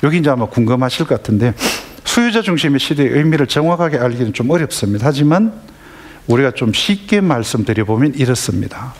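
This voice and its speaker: A man's voice: mid-range voice, animated, quick pace. Male parenting lecturer, conversational, asks the audience questions.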